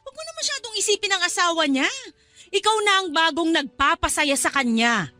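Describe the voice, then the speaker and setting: A woman's voice: very high-pitched, expressive, brisk, pushed and bright, soft background music, heavily acted. An actress playing a scheming middle-aged mother in a radio drama, coaxing and insistent as she persuades her daughter. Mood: defensive.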